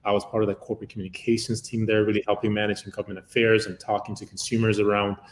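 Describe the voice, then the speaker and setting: Man, 50s, from Uganda, founder being interviewed, low voice, rambling delivery, echoey room. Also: level tone, very fast, slight background noise. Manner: long-winded, many "uh" fillers. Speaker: guest, company founder. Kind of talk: conversational interview answer.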